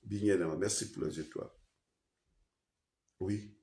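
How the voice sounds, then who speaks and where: A man with a Guinean accent, a political commentator ranting in French mixed with a local language, swinging between loud outbursts and low mutters. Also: steady tone, slow pace, roomy sound, slight background noise. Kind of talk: impassioned radio-style rant.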